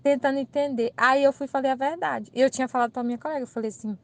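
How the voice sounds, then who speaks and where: A channel host with a Brazilian Portuguese accent tells a casual story about an everyday mix-up, speaking very fast. Her voice sits a little high, and she's lively, chatty and laughing as she acts out the other people's lines in quoted dialogue.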